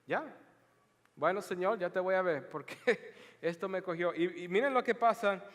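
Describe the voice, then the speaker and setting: Animated high-voiced preacher in a reverberant hall. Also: male voice, moderate pace. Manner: animated, joking, storytelling. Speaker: pastor. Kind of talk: bilingual sermon with scripture reading. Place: church sanctuary. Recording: long reverb of a large hall.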